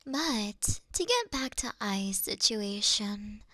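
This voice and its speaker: A woman voicing a mischievous, doting fox woman in intimate roleplay ASMR, with a soft, breathy half-whisper and a coy, teasing delivery. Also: medium pitch, big pitch swings, slow pace, dry recording, full character voice. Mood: tender, wistful.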